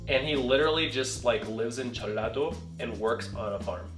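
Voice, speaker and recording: An American man co-hosting a casual chat, relaxed and chatty, laughing easily. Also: mid-range voice, normal speed. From United States. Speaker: co-host. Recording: roomy distant sound with background music.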